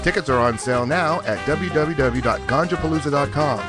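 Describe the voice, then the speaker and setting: A man's voice: on the high side, fairly quick. A man reading a scripted promotional radio ad as an announcer. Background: music.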